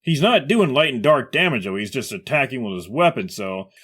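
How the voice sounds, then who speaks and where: A man with a mid-range voice and hiccups talks through a game update. He switches between reading aloud and casual, rambling reactions, thinking out loud as he goes. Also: mid-range voice, sing-song, a little fast, husky. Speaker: gaming commentator.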